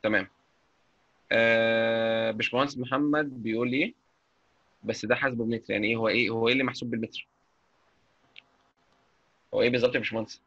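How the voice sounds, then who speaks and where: A fast-talking Egyptian man with an Egyptian Arabic accent teaching software live, his voice gravelly and bright. He keeps stopping to check that his students follow. The dull, lo-fi mic takes some of the edge off. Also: mid-range voice, steady tone, no room sound. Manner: chatty, checks understanding constantly. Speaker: software instructor. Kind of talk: live online lecture.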